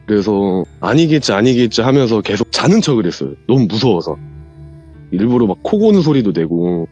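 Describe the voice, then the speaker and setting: A man's voice: fairly low pitch, breathy edge, highs cut off. A man guest on a horror radio show, casually telling a true ghost story and acting out the lines people said. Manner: animated, acts out quoted lines from the story.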